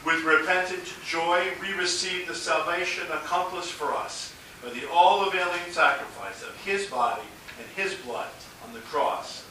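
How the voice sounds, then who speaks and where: A man serving as pastor, reciting a solemn liturgical prayer at a measured pace in a large church with a cathedral echo. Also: on the high side, pushed and bright. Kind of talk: liturgical prayer and words of institution. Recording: cathedral echo, distant mic, faint hiss.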